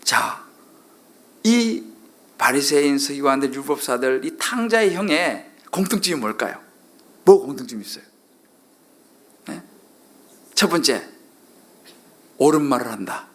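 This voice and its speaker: A man's voice: mid-range voice, expressive, a little slow, long pauses, a bit bright. A middle-aged male pastor preaching a sermon, constantly asking the congregation questions and acting out quoted lines.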